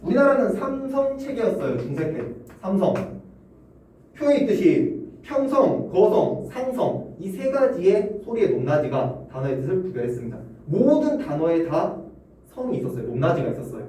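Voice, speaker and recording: A man's voice: a little high, very animated, brisk, mellow. A male Korean language teacher giving a classroom lecture, asking students questions and chuckling often. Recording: roomy classroom echo, distant mic, faint hum.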